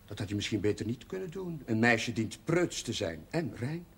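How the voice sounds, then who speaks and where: An actor with a Netherlands Dutch accent playing a flustered, evasive but kindly Catholic chaplain in a television drama, speaking hesitantly and haltingly. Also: male voice, mid-range voice, sing-song, a bit bright, husky, full character voice. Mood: awkward, moralising. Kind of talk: naturalistic television drama acting. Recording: noisy old television soundtrack.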